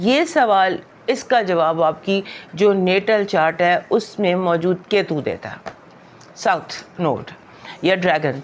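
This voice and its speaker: A woman talks very slowly, her pitch medium and its variation ordinary. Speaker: astrologer. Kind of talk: horoscope monologue. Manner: halting, many fillers.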